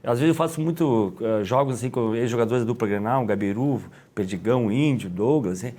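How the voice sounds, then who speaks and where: A middle-aged man with a Gaúcho Brazilian accent, a former footballer talking as an interview guest, rambling and halting with many restarts. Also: medium pitch, mellow. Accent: Gaúcho Brazilian Portuguese. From Rio Grande do Sul, Brazil. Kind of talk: casual interview.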